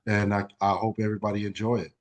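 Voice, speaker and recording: A man's voice: on the low side, flat delivery, quick pace. A man in his forties, raised in Okinawa and Savannah, a retired Army veteran and author who speaks plainly with many uhs and "you know". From Okinawa, Japan and Savannah, Georgia. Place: radio studio.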